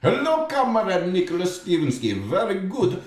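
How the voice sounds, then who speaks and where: A booming, theatrical Russian comrade, as a podcast host puts him on, pitched well above his normal talk and thick with a mock Russian accent. He is grand and jovial, and his lines ring out in an echoey room. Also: sing-song, normal speed, a little mellow. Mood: hammy welcome.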